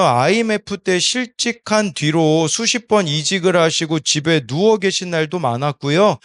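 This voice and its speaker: A man in his thirties, a pastor, giving an early-morning Bible devotional in a measured, explanatory way and addressing the congregation. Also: sits high, fairly bright tone, smooth. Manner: sometimes slips into regional dialect speech. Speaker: associate pastor, son of senior pastor.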